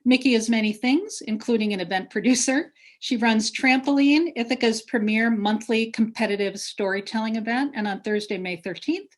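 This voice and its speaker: A woman event organizer giving housekeeping announcements and introductions to an online audience over a video call. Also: mid-range voice.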